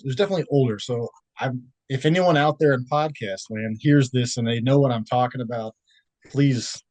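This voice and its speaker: This is a young man from Texas in a relaxed podcast chat, at an ordinary middle pitch. He rambles with many fillers, restarts and little laughs. The sound is dry and close, with no room to it. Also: no room sound. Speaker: podcast guest. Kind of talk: casual interview chat.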